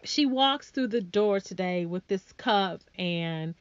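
A woman's voice: mid-range voice, slow, no room sound. A woman hosting a podcast who tells a story casually and talks straight to her listeners. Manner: animated, addresses listeners as y'all. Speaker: podcast host. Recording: dull lo-fi sound.

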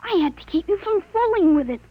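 High-pitched, precocious boy. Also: expressive, fast talker. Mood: assured, insistent. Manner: earnest, articulate, self-assured. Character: precocious, confident thirteen-year-old boy. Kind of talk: 1950s radio drama acting. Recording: dull vintage 1950s radio recording.

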